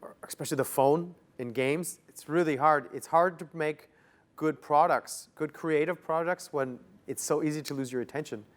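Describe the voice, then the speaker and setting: A man's voice: a little high, normal speed. A young man from Canada giving loose, casual interview answers, full of "like" fillers. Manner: relaxed, loose, many "like" fillers. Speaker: interview guest.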